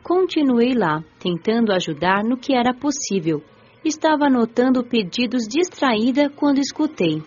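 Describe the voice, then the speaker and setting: A gentle, playful young woman voiced by an actress narrates an audio drama in the first person. Her voice is fairly high and animated, slightly dulled, with faint music underneath. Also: moderate pace. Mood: narrating. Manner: expressive storytelling. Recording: dull band-limited audio, faint music.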